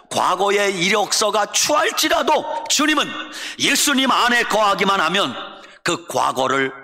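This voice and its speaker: Lively, bright-voiced preaching pastor. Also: male voice, high-pitched. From Chungcheong, Korea. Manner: humorous, mimics dialects, shouts for emphasis. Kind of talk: sermon. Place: church sanctuary. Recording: long church reverb.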